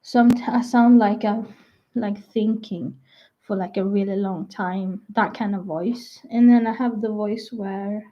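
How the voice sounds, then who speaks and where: A young adult woman rambling casually to her viewers, full of "like" and restarts, her voice croaky at times. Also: mid-range voice, steady tone, measured pace. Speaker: vlogger. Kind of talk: rambling casual chat to camera. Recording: dull lo-fi sound.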